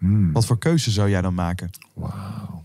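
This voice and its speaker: A man at a very slow pace, with ordinary pitch variation and a quiet background. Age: 20s. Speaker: podcast host. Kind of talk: interview. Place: meeting room. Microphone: studio mic.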